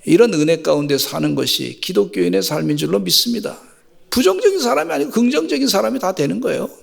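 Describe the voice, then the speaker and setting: A man's voice: sits high, sing-song, fast talker, vocal fry, breathy edge, big-room sound. A middle-aged man preaching a sermon as pastor, telling folksy stories and rising to fervent exhortation.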